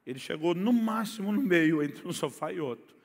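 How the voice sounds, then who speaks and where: A middle-aged man with a Brazilian accent, a pastor telling a humorous story in a sermon, swinging from quiet asides to near-shouting. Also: sits high, expressive, moderate pace, gravelly. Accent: Brazilian Portuguese. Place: church. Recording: echoey church hall.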